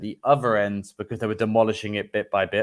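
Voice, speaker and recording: Speaking very fast, a man with an English accent keeps to a medium pitch. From England. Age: 20s. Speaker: paranormal investigator. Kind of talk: casual interview chat.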